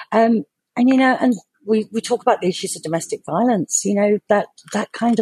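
A woman's dark, mellow voice with a British accent and lively intonation. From England, of Indian parents. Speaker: HIV community organisation director. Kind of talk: interview.

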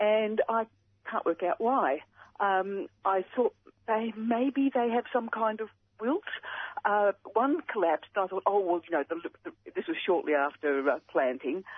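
Speaking fairly slowly in an Australian accent, a woman keeps a fairly high pitch that swings very widely. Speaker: caller. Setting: phone call.

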